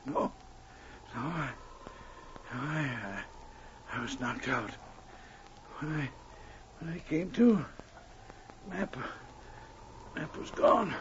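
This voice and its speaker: An actor playing a bitter old prospector, mortally wounded, stammering and gasping weakly in 1940s radio style. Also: male voice, a little high, big pitch swings, extremely slow, long pauses, a bit bright, heavily acted. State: weak, gasping, dying. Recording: dull, noisy old radio recording.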